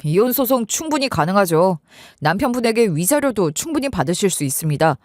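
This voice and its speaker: Woman doing a polite, calm lawyer for a story reading; dry close sound. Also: medium pitch, fairly quick, dry recording, natural voice. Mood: reassuring.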